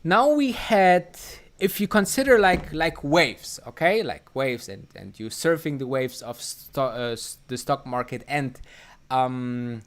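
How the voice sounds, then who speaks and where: A German man hosts a live stream from his home setup, reading viewer comments aloud. He speaks slowly with a German accent, and his voice is smooth and clear. He rambles, filling pauses with ums and restarting his sentences. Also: mid-range voice, lively intonation. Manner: rambling, many fillers and restarts. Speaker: livestream host answering chat. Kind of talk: casual live stream chat.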